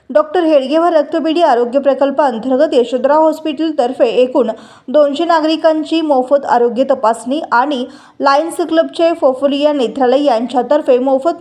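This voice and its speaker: Female news voice-over, high pitch, steady formal read of names and details. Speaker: news reader. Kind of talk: scripted local news narration.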